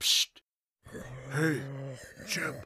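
In a put-on character voice, a man whispers very slowly, raspy and hissing. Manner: hissing whisper, offhand.

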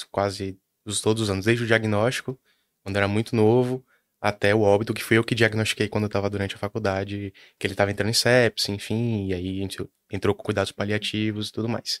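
In a very clean recording with a silent background and a dry, close sound with no echo, a man talks very fast in a flat monotone at a fairly low pitch. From Brazil, Salvador, Bahia. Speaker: neurologist. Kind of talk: casual interview.

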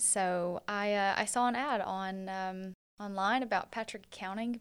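A woman with a Tennessee accent speaks at a medium pitch with ordinary pitch variation, recorded very cleanly against a silent background. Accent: Southern US (Tennessee). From Middle Tennessee. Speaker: sales team lead. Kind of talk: casual interview chat.

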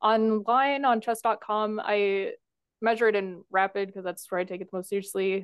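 With an ordinary speaking voice, a woman talks at medium pitch and a moderate pace, her intonation fairly even but her loudness swinging widely. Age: 20s. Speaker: chess club coach. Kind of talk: casual chat.

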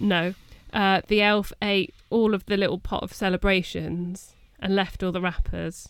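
A woman speaks at a medium pitch and a fairly slow pace, her intonation monotone and flat. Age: 30s. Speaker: podcast co-host. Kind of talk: casual chat.

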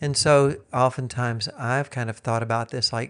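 Using a normal speaking voice at a medium pitch, a man keeps his intonation fairly even. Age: 60s. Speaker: teacher and missionary trainer. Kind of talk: casual chat.

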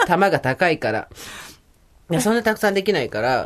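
A woman's animated, fairly quick speech with vocal fry. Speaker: radio co-host. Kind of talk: casual chat.

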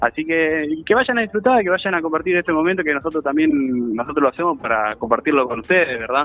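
Talking very fast with lively intonation, a man with a fairly high voice is heard over noticeable background noise. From Argentina, San Lorenzo (Santa Fe). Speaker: stage actor and theatre teacher. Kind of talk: interview. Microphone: choppy connection.

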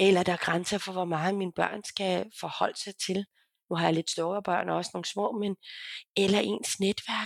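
At a moderate pace, a woman with vocal fry speaks in a medium pitch with monotone, flat intonation, in a very clean recording with a silent background and a dry, close sound with no echo. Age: 40s. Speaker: social worker and consultant. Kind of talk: interview.

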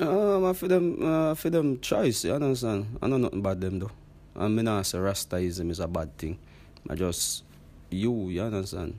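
A man's medium-pitched voice in a strong Jamaican accent, dark and mellow in tone, with very wide pitch swings at a moderate pace. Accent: Jamaican patois, strong. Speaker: dancehall reggae artist. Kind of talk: interview.

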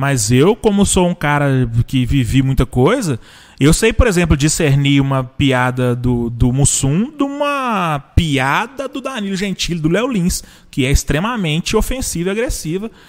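A man talks in a fairly high voice at a fairly slow pace. His pitch swings very widely. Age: 30s. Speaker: journalist. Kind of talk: casual chat.

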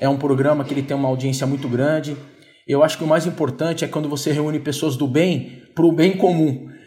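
Over music in the background and with audible room echo, a man talks at a fairly quick pace in a fairly high voice with fairly even intonation. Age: 50s. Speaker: security company executive, former military police officer. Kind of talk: interview.

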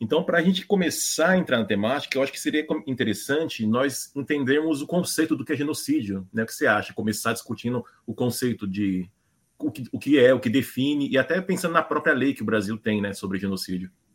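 Very fast male speech with lively intonation. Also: medium pitch for a man. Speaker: podcast host. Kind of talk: casual interview.

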